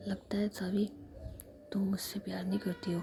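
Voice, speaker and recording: A woman's voice: medium pitch, little pitch movement, moderate pace, creaky, warm tone, a little hiss or hum, close to an everyday voice. A woman whispering the lines of a teasing, clingy young woman who keeps pleading for a kiss, in a playful, wheedling manner. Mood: hurt.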